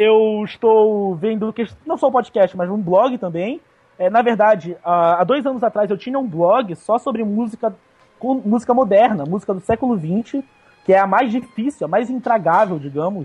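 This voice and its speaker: With ordinary pitch variation, the speaker keeps to a moderate pace. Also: man, high pitch for a man. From Belém, Pará, Brazil. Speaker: classical violinist. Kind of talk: casual chat.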